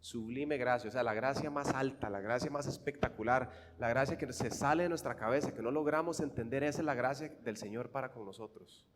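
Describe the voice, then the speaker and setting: A man with a Costa Rican accent preaching a sermon, swinging fervently from hushed, quiet lines to loud, emphatic ones. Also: medium pitch, fairly quick, hardly any pauses, in a large hall, a little hiss or hum. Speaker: pastor.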